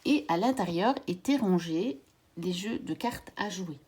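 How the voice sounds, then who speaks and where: A woman from Belgium hosting her own channel and presenting card decks in a gentle, measured way, pausing now and then with fillers. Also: lowish voice, lively intonation, breathy edge. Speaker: tarot and oracle card channel host. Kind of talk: casual card deck presentation.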